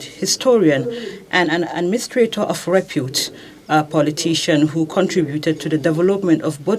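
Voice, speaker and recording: A woman's voice: low-pitched, darkish tone. A female news correspondent with a Nigerian accent reads a scripted report. Her delivery is formal, like a bulletin voice-over. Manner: formal reading.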